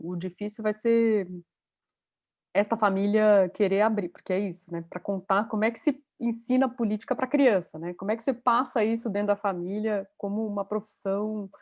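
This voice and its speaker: A woman's voice: mid-range voice, darkish tone. Chatty woman teaching over a video call. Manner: chatty, thinks aloud with many fillers. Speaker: journalism course instructor. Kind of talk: online class on video call.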